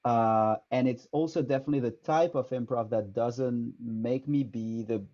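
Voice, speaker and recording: A man's voice: medium pitch, steady tone, moderate pace. A man in his thirties from France with a French accent, an improv teacher answering interview questions thoughtfully, with many fillers and restarts, over a headset on a video call. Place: small room indoors. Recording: dull lo-fi video call audio.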